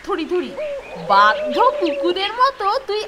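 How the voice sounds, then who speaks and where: Mischievous cartoon schoolboy, extremely high and animated, excitable, playful. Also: female voice, normal speed, very noisy. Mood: playful, scheming. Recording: loud music behind.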